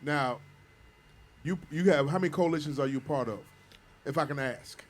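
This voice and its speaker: A man's voice: a little high, normal speed. A male radio host in a casual interview, hyped, loose and joking with his guest.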